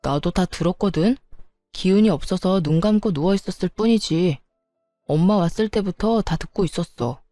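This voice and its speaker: Woman acting indignant husband, mama's boy, bossy, reproachful, mellow tone, audio story drama. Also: lowish voice, moderate pace, dry recording, soft background music, close to an everyday voice. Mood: angry, demanding. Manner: reproachful, demanding.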